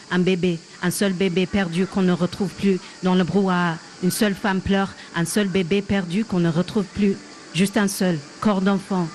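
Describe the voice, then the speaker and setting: A woman's voice: fairly low pitch, a little mellow, a little hiss or hum, natural voice. An actress in her thirties playing a frightened woman calling for her lost mother, with a repetitive, trembling, incantatory delivery. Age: 30s. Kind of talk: theatrical drama acting.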